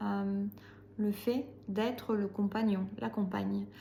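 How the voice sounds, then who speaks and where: Soft-spoken, a woman talks at a very slow pace over noticeable background noise. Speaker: spiritual channeler. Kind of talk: channeled message. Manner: slow, halting with many fillers.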